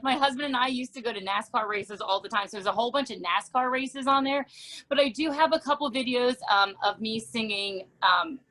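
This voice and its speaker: A woman's voice: a little high, a little fast, sharp tone, rough recording. A woman in her thirties from New Jersey, a music teacher chatting casually in an interview, with a tired, worn voice and lots of ums.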